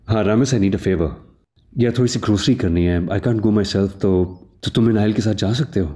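An actor with a Pakistani Urdu accent playing a worried young husband in a TV drama, calm and mixing in English. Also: male voice, on the low side. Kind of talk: TV drama acting.

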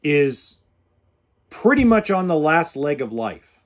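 This podcast host talks casually and directly to the camera, blunt and earnest, gesturing with his hands. His male voice runs on the high side with big pitch swings and a slow pace. The setting is an RV or home kitchen, with a close studio mic fitted with a pop filter.

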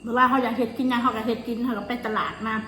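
A woman's voice: fairly high pitch, little pitch movement, rapid-fire, sharp tone. A woman with an Isan, northeastern Thai accent chats casually about her own life, talking while chewing. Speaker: vlogger. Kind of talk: casual chat, recounting personal stories. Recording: roomy echo, faint noise, insects.

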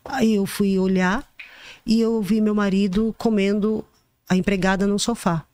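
A woman, a podcast guest, telling a personal story in an animated way, often repeating herself and restarting sentences. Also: mid-range voice, measured pace, dry recording. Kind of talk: storytelling anecdote.

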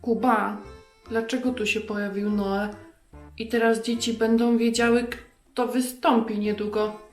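A woman's voice: a little high, little pitch movement, measured pace. A woman hosting a children's lesson in a playful, scripted way. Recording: echoey room, music behind.

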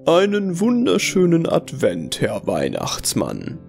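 A male actor plays a deluded man sure he is the real Santa in a horror radio play. He talks slowly and theatrically, with creaky tones and huge pitch swings. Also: wildly swooping pitch, a little mellow, heavily acted. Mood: falsely friendly. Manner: theatrically friendly, insistent. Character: delusional, affable, proud self-believed real Santa man. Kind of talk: audio horror drama acting. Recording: music behind the voice.

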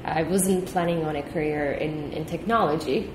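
A woman's voice: low voice, moderate pace, roomy sound, noisy background. A woman from Turkey, a company executive, answering interview questions thoughtfully and sometimes repeating words as she thinks. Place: office meeting room.

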